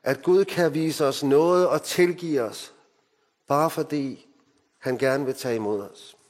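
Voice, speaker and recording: A man from Denmark preaching a sermon, moving between emphatic lines and hushed, solemn ones. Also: fairly high pitch. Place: mission hall. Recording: hall reverb.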